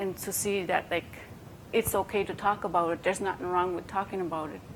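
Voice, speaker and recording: In a Maritime Canadian accent, a woman with a medium pitch speaks at a fairly quick pace in a monotone, flat intonation. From Mi'kmaq community, Atlantic Canada. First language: Mi'kmaq. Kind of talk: conference presentation. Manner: halting.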